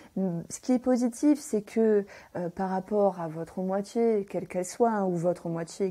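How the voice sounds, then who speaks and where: Her tone is dark and mellow. The woman's pitch is medium, with ordinary variation. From northern France. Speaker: tarot reader. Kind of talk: tarot reading, horoscope. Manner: casual, with hesitations.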